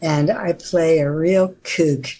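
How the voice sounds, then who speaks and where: A woman's voice: low voice, slow, slight background noise. Older New woman, chatty storyteller. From New York. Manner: chatty, animated storyteller who laughs often. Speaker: guest actor. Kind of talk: radio interview chat.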